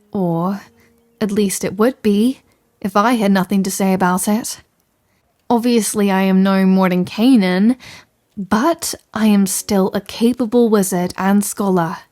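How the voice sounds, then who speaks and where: A woman's voice: medium pitch, steady tone, unhurried, a little mellow, natural voice. Articulate, caring woman wizard played by an actress. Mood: thoughtful, measured. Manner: articulate, bookish, reassuring. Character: capable, caring scholarly female wizard shopkeeper. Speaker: audio roleplay performer. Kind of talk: ASMR fantasy roleplay acting, addressing the listener.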